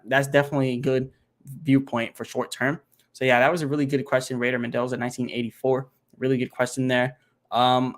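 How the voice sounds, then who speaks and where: A man's voice: mid-range voice, a bit bright. A man hosting a casual livestream Q&A from his home computer, thinking aloud and working out numbers with many fillers. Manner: rambling, thinks aloud while doing math, many fillers. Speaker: crypto channel host. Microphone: home computer setup, single monitor.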